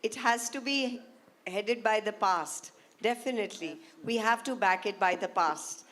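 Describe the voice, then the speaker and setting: A woman's voice: medium pitch, measured pace, fairly bright tone. A woman with an Indian accent, politely but insistently making her point in an informal panel discussion.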